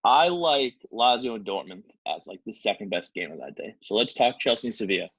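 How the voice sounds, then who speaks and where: This podcast co-host chats casually and hesitantly about football, tripping over foreign names. His voice is on the low side, expressive and fairly quick, with a fairly bright, slightly rough tone. The sound is dull, lo-fi and dry with no room sound.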